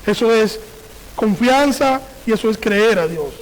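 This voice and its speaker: High-voiced man preaching a sermon. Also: expressive, measured pace, rough recording. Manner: preaching with repetition and rhetorical questions; reads scripture aloud. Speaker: pastor.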